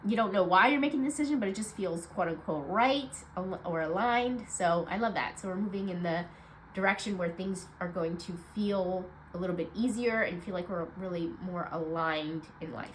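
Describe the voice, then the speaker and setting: A woman with a stuffed-up, nasal voice giving a casual weekly card reading, low on energy and rambling with many fillers. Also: normal speed, slight background noise, low-quality recording. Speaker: tarot card reader.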